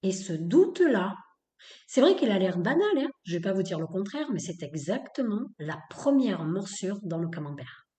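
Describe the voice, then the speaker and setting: A woman's voice: medium pitch, sing-song, moderate pace, mellow, roomy sound. A woman hosting a spoken podcast episode, talking in a blunt, opinionated way, with many fillers and repeated phrases. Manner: emphatic, repetitive, with many fillers. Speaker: podcast host.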